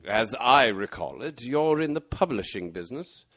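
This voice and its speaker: A shrewd gentleman detective, played by a man in a radio mystery drama. His pitch moves in lively swings around a middle register. He is courteous and formal, with a dry, measured irony. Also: dry recording. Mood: probing, dry. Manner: formal, measured, dryly ironic.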